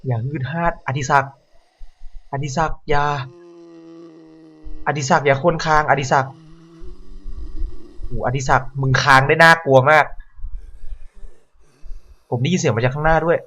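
A man giving let's-play commentary on a horror game. He talks to the zombies and swings from calm asides to startled yelps. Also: fairly high pitch, normal speed, long pauses, lo-fi sound. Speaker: gameplay commentator.

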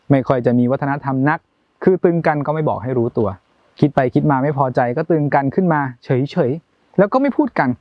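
A man's voice: mid-range voice, no echo. Man, host, reading aloud with casual commentary, playful asides, dry close sound, slightly muffled lo-fi. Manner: playful, acts out examples, chatty asides. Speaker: host explaining a book chapter.

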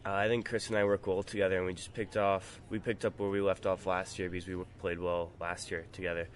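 Low, flat-voiced young man. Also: fast talker, slight background noise. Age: young adult. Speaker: college tennis player. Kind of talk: casual interview answer.

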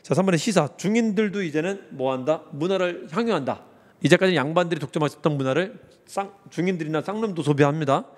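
A man's voice: a little high, quick pace, long reverb tail. A man lecturing on history for exam review, repeating key words and mnemonics as he explains.

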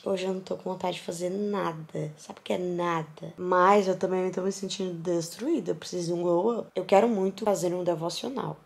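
A woman's voice: on the low side, creaky, a little mellow. A young woman with a Brazilian Portuguese accent, vlogging casually at home and talking candidly and directly to her viewers. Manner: chatty, candid, talks straight to viewers. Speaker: lifestyle vlogger. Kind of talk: casual vlog talking to camera. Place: bedroom at home. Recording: echoey room with faint noise.

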